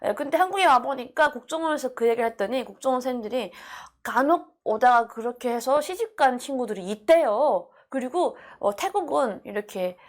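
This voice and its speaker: A woman's voice: high voice, animated, brisk. A woman from North Korea telling her defection story in an earnest, emotional monologue with many fillers.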